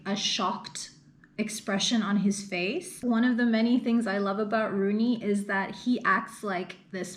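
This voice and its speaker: A woman who grew up in the United Arab Emirates, chatting earnestly in a casual question-and-answer vlog. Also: mid-range voice. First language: English. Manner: earnest and chatty, with fillers and repeated phrases. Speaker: content creator.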